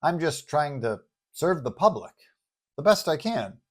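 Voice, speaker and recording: A man's voice: a little high, very animated, unhurried. A man voicing a confident, well-meaning superhero who talks in a breezy, colloquial way in an audio story. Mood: earnest, casual.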